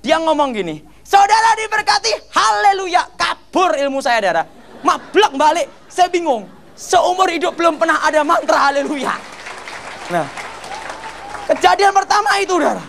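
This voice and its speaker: Animated man. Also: extremely high pitch, normal speed, vocal fry, pauses often, some chatter behind, a little hiss or hum. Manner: animated storytelling, keeps addressing listeners as "brothers". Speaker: testimony speaker. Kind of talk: church testimony.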